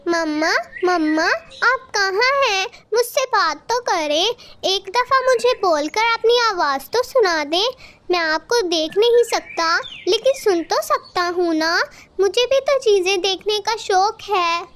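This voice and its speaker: Cartoon chick: a woman doing a little blind boy crow, innocent, pleading, very high. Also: lively intonation, measured pace, fairly bright tone, full character voice.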